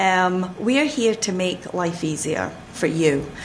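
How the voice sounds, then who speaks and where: Noticeable background noise sits behind a woman speaking in a fairly low voice with a Scottish accent. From Scotland (Fife). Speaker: small business owner. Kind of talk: interview.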